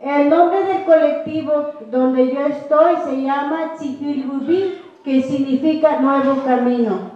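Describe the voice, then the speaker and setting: A woman from Chiapas whose first language is Chol, speaking to a gathering slowly and hesitantly, often filling pauses with "este". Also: high voice, fairly even intonation. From Chiapas, Mexico. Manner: slow and hesitant, many "este" fillers. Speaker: activist speaker on a panel. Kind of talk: public talk presentation. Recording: echoey room, dull muffled sound.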